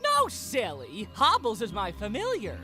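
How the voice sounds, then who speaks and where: An actor playing a flamboyant, melodramatic, effete wizard with a theatrical, swooning manner in a comic fantasy game. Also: male voice, sits high, huge pitch swings, unhurried, music in the background, exaggerated voice. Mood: fussy, dramatic. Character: flamboyant, melodramatic, effete male wizard mourning his stolen familiar.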